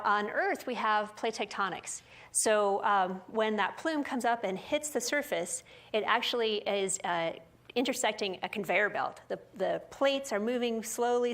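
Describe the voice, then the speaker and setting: A woman's voice: medium pitch, fairly bright tone. Woman explaining science with many fillers. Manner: halting, frequent fillers. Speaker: scientist presenter. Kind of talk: science press briefing.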